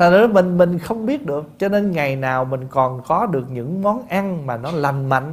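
A man talks at a moderate pace in an animated tone with lively intonation. His voice is somewhat breathy. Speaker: Buddhist monk giving Dharma talk. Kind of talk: Dharma talk. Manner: animated, storytelling.

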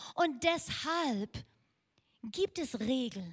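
A woman with an English accent and lively intonation on a very clean recording with a silent background. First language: English (speaking German). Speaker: pastor. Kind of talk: sermon. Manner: halting.

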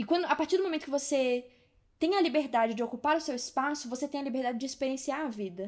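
A woman's high pitch with lively intonation. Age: 20s. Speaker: podcast host. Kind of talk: casual interview chat.

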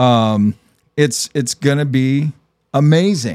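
A man's voice sits at a medium pitch with ordinary pitch variation. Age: 50s. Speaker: solar company owner. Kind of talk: casual interview chat. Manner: halting.

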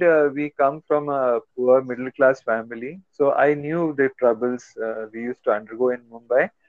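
A man with a Kannada accent speaks at a moderate pace. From India. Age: 60s. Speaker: family elder recounting memories. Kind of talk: family interview.

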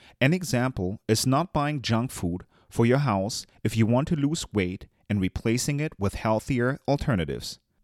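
A man with a non-native accent talks at a moderate pace, his medium-pitched voice carrying lively intonation. The recording is very clean with a silent background, and the sound is dry and close with no echo. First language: not English. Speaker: self-improvement podcaster. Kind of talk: solo monologue, scripted.

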